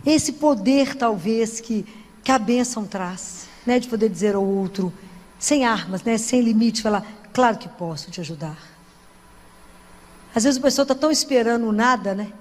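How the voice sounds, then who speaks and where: A woman's voice: fairly high pitch, normal speed. A middle-aged woman preaching a sermon in a church, telling stories with frequent tag questions. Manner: warm storytelling with frequent "né?" asides. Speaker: Catholic lay preacher. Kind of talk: sermon to a congregation. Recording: long hall reverb.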